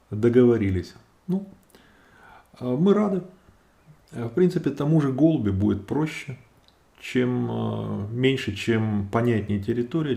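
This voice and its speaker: Mellow, gravelly man telling a nature story. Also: mid-range voice. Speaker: narrator of a nature vlog. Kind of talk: relaxed storytelling narration. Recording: roomy echo, guitar music behind.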